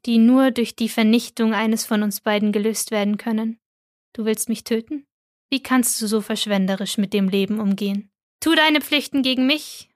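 A woman's voice: a little high, no echo, lightly acted. Woman reading as a wretched giant creature. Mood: bitter. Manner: earnest, reproachful, pleading. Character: wretched giant male creature, bitter and pleading. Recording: dry close studio sound.

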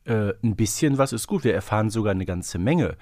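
A man's voice: lowish voice, expressive, brisk, mellow, no room sound. Man chatting in a dry, close recording. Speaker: podcast co-host. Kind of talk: casual conversational analysis.

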